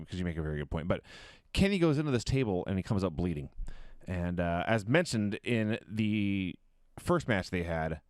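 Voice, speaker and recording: A man co-hosting a podcast, telling a wrestling match blow by blow in a lively, swearing, storytelling way. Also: lowish voice, dry recording. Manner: animated storyteller, swearing, chuckling. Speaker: podcast co-host. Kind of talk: casual wrestling recap chat.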